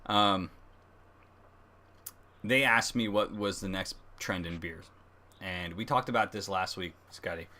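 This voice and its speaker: A man hosting a casual livestream tasting review, speaking haltingly as he thinks aloud. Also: low voice, pushed and bright. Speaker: host of a beer review livestream. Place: livestream, speaking beside a laptop.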